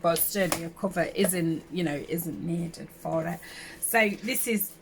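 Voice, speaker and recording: A woman with a sore throat from a summer cold and a slightly hoarse voice, chatting casually and rambling with many fillers as she works through a craft tutorial at home. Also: on the low side, unhurried, a little hiss or hum. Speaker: craft channel host.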